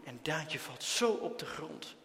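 A man reads a children's story aloud with dramatic expression. His fairly high voice swoops up and down through the tense parts. The recording carries a long, hall-like reverb. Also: lively intonation, measured pace, gravelly, pushed and bright, slight background noise. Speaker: narrator.

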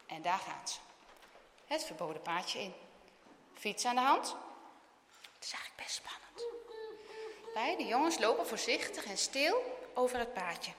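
Lively woman reading a children's story. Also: a little high, measured pace, a little hiss or hum. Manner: lively, expressive reading with many voices. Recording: echoey room with long reverb.

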